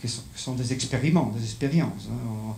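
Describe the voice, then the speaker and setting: A creaky, darkish mid-range voice at normal speed belongs to this middle-aged conference speaker with a Spanish accent, who lectures live in French as a second language and frequently searches for words. He talks into a handheld microphone to a seated crowd in an indoor lecture room, with echo and slight background noise.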